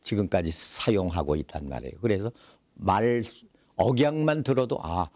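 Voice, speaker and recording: A man hosting a sit-down interview, his voice set fairly low. He explains at an unhurried pace with lots of fillers, and the recording is dry and close. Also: big pitch swings, a little mellow, no echo. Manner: leisurely, explanatory, many fillers. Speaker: interview host. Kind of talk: casual interview talk.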